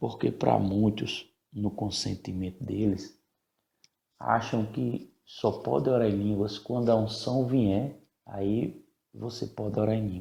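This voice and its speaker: Soft-spoken and somewhat breathy, a man talks very slowly in a dark, mellow tone with ordinary pitch variation. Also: fairly low pitch for a man. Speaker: preacher. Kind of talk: bible study.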